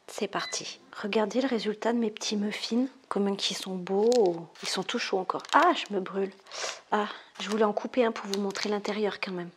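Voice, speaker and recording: Woman chatting thru a cooking demo, laughs at herself, goes quiet and murmury a lot, bit of faint noise behind. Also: mid-range voice, moderate pace. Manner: chatty, self-amused, often drops to a murmur. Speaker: cooking video host. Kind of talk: casual cooking demonstration.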